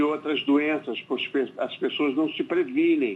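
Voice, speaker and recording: With a plain, everyday voice, a man of fairly high pitch speaks at a fairly slow pace. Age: 60s. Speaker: caller. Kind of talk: opinionated call-in comment. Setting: phone call.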